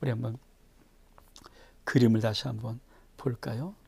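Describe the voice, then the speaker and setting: A male pastor reading and preaching through a Bible chapter. He keeps asking the congregation questions and swings from loud bursts to near-whispers. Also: medium pitch, fairly even intonation, normal speed, creaky, husky.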